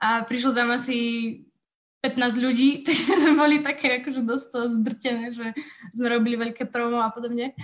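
A woman speaks in a high voice at a moderate pace. Her intonation stays fairly even. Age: 20s. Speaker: charity volunteer coordinator and teacher. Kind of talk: live stream interview. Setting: video call.

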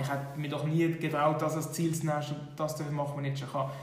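Over noticeable background noise and audible room echo, a man talks in a fairly high pitch with monotone, flat intonation. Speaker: football reporter. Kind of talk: interview.

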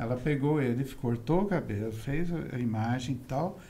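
A man's fairly high, somewhat breathy voice with a dark, mellow tone and ordinary pitch variation, amid audible room echo. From Brazil, raised in English-speaking expat community and English boarding school. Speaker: image consultant and art teacher. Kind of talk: interview.

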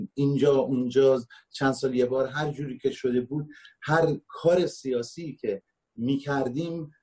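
A somewhat breathy man speaks at a fairly slow pace, his fairly high pitch held in fairly even intonation. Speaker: singer. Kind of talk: interview.

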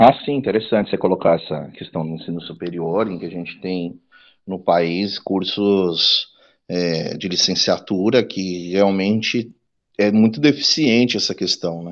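A man's very deep, low voice at a fairly slow pace, with big swings in loudness over a quiet background. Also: ordinary pitch variation. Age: 30s. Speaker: geography teacher. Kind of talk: panel discussion.

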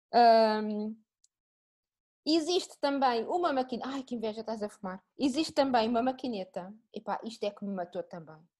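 In a European Portuguese accent, a woman speaks at a fairly high pitch with lively intonation and big swings in loudness. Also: moderate pace. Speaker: book podcast host. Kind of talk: casual chat.

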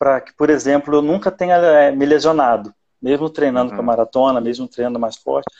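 The man's tone is dark and mellow. His voice sits fairly high, and its pitch varies in an ordinary way. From Brazil, Rio de Janeiro. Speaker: amateur marathon runner. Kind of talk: casual interview.

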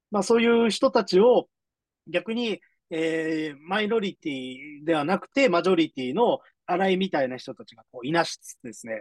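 A man with a high pitch talks with very wide pitch swings and big swings in loudness. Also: moderate pace, dry, close sound with no echo. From Okinawa, Japan. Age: 30s. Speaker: smartphone advisor and comedian. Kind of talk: casual panel discussion.

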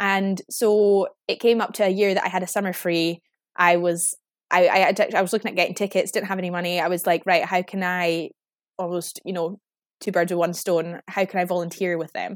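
A woman with a Highland Scottish accent speaks at a fairly quick pace in a medium pitch, with monotone, flat intonation. The recording is very clean with a silent background, dry and close with no echo. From Scotland, Highlands (Inverness). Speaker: events graduate. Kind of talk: casual interview.

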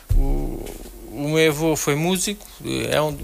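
Noticeable noise fills the background. A man's voice is heard over it. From Portugal, Pinhal Novo (Setúbal district). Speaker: actor and musician. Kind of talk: radio interview. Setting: radio studio.

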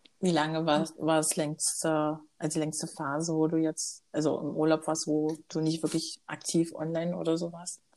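A woman speaks in a very deep, low pitch with a dark, mellow tone and a slight Saxon accent. Her intonation stays monotone and flat at a moderate pace with hardly any pauses against a quiet background. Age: 20s. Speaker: podcast co-host, office clerk. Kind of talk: casual chat.

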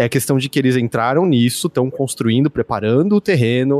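This is an ordinary speaking voice, a man at medium pitch with ordinary pitch variation. He goes at a moderate pace against a quiet background. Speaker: podcast guest, content creator. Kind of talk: casual chat.

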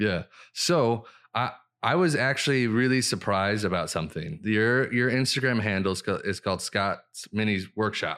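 Recorded very cleanly against a silent background, a man uses a normal speaking voice at a fairly low pitch, with lively intonation and a moderate pace. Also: very even loudness. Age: 30s. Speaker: podcast host. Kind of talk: interview.

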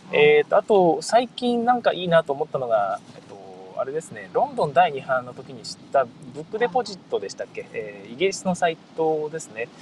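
Against noticeable background noise, a high-pitched man talks at a fairly quick pace, with very wide pitch swings and big swings in loudness. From Fukui, Japan. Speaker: podcast host. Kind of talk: casual solo podcast talk.

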